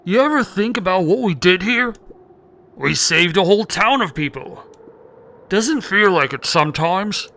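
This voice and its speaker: A man's voice: high-pitched, expressive, unhurried, sharp tone, heavily acted. A man voicing laid-back working guys bantering in a mystery game, reading their dialogue aloud in character. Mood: brooding banter.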